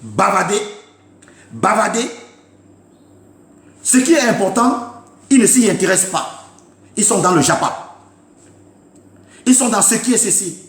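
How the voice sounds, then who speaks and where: A man's voice: high voice, big pitch swings, a little slow, pauses often, fairly bright tone, echoey room. A man giving an impassioned political rant, emphatic and scolding, repeating his points to his listeners. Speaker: political commentator. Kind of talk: impassioned live-stream rant.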